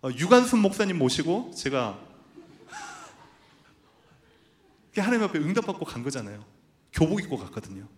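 A man preaches from the pulpit, weaving a personal story into his sermon. His pitch sits a little high and moves in lively swings. He acts out the voices of the people in his story as he talks. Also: measured pace, pauses often, a little hiss or hum. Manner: animated storytelling, acting out quoted voices. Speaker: pastor.

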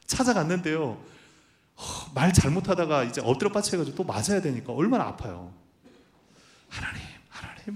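A man who is a pastor, preaching a sermon and telling a personal story, acting out the voices of people he quotes. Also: fairly high pitch.

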